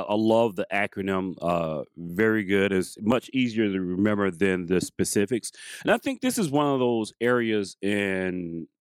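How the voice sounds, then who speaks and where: Slightly raspy man hosting an interview. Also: on the low side, no room sound, studio quality. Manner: rambling, with many restarts and fillers. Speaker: podcast host. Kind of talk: casual interview chat.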